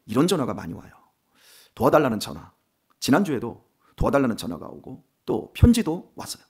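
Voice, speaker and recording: Husky, lively Korean pastor preaching. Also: male voice, medium pitch. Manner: conversational preaching, asks the congregation questions; swings between quiet asides and emphatic declarations. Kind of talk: early-morning sermon. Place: church sanctuary.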